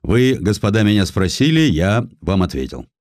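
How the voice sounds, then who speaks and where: A man narrating a historical story and voicing a blunt, gruff old general who speaks in terse, emphatic pronouncements. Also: on the low side, very animated, moderate pace, a little mellow, dry recording, clean studio sound.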